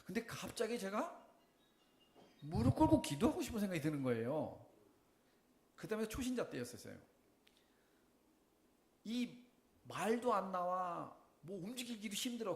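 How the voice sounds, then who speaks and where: A middle-aged man giving a sermon testimony, telling his story with lively questions to the congregation. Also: sits high. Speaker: preacher. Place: church. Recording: echoey church room.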